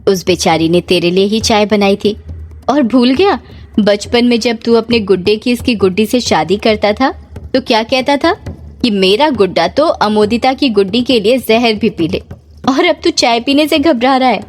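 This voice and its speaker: A woman's voice: on the high side, moderate pace, natural voice. A woman voicing a kind, motherly older aunt who soothes and persuades, in a spoken horror story. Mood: gentle.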